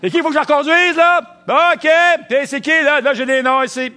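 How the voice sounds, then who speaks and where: A man voicing a big, loud van driver who bellows everything cheerfully. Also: extremely high pitch, normal speed, pitched above the performer's own voice. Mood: bellowing.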